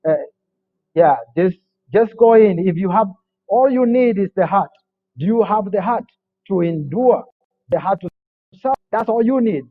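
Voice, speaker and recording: A Kenyan-born man and army veteran, a panel guest speaking plainly and emphatically. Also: high voice. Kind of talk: panel discussion. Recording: tinny phone-like line.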